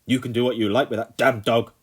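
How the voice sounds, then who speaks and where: A man playing a pompous older colonel who shouts and rants in fury at a family. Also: mid-range voice, level tone, fast talker, husky, pitched above the performer's own voice, close to an everyday voice. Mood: indignant. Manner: shouting, ranting. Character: pompous older male colonel, furious landowner.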